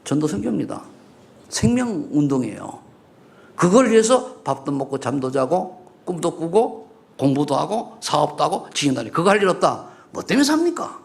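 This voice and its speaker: A middle-aged man preaching a sermon in a church, swinging between loud rising questions and low murmured asides, and bantering with the congregation. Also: sing-song, normal speed, creaky. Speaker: pastor. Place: church sanctuary.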